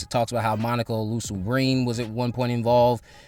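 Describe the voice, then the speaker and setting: A man speaks at a very fast clip and a medium pitch while music plays in the background. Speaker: YouTube pop culture commentator. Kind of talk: casual commentary reading news article aloud. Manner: excited, hyper.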